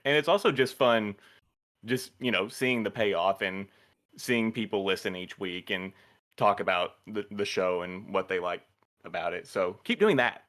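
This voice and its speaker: A man's voice: low voice, a bit bright. A man chatting casually as a cast member on a podcast panel.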